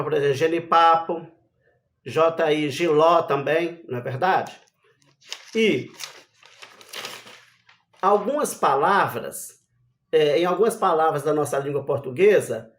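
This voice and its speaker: A Brazilian man teaches a literacy lesson at an unhurried, measured pace. His voice sits fairly high for a man, and he spells out letters one by one and checks in with rhetorical questions. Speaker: Portuguese language teacher.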